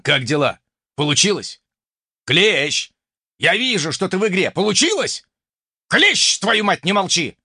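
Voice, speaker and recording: A man's voice: sits high, big pitch swings, unhurried, pauses often, pushed and bright, breathy edge, voice pushed up, heavily acted. A man reading an audiobook voices an anxious male tribal chief who asks pressing, urgent questions.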